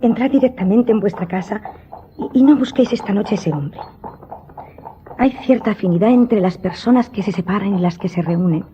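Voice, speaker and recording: A woman's voice: medium pitch, moderate pace, slight background noise, natural voice. A woman playing a superstitious, imperious countess in a radio drama, speaking in a formal, dramatic, insistent way. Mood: insistent, uneasy. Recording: dull recording with background music.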